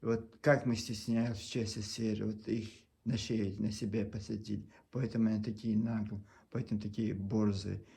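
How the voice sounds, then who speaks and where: A man from Chechnya speaking Russian, which is not his first language, with a Chechen accent. He talks earnestly to his camera in a halting, pleading monologue and often restarts his words. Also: on the low side, flat delivery, gravelly, mellow. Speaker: video blogger.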